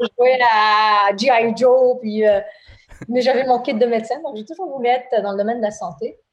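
A woman talks in an energetic tone at a high pitch and a fairly slow pace. Her pitch varies in an ordinary way. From Quebec. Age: 30s. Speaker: healthcare executive. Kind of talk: interview. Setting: live recording.

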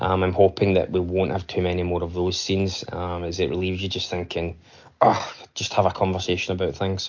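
A man speaks in a Scottish accent with a very deep, low pitch. His delivery is fairly quick and monotone, with flat intonation. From Scotland. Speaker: podcast listener. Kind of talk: voicemail feedback. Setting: recorded voicemail.

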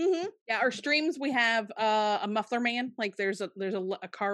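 Someone with an American accent talks at a very fast pace with ordinary pitch variation. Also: woman. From Ohio. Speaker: content creator. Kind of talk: casual chat. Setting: video call. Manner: fast talker.

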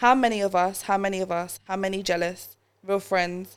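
In a flat monotone, a woman speaks at a medium pitch. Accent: British. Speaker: podcast host. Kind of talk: casual interview chat.

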